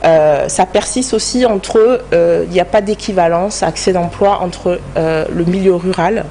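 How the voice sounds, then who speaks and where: A woman's voice: fairly low pitch, a little slow, vocal fry, dark tone, a little hiss or hum. A woman from France with a French accent, answering as an expert guest in a studio interview in a structured, explanatory way. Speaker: guest expert, human resources director.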